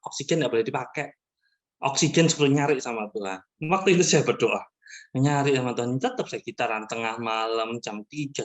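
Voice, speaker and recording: Animated man telling a church testimony. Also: medium pitch. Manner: animated storytelling, often addressing listeners as brothers and sisters. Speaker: church member giving a testimony. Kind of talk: personal testimony at an online church service. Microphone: video call.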